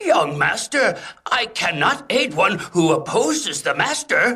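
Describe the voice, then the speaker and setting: A put-on character voice, fairly high in pitch and fairly slow, with very wide pitch swings. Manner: stilted, robotic.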